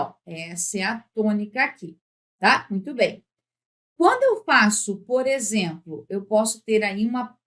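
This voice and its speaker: A woman with a fairly high voice leads a grammar lesson for exam candidates. She stretches out each example word slowly and keeps checking that the listener is following. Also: fairly bright tone. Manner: patient, drawn-out words when giving examples; often checks in with "tá?". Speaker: Portuguese teacher.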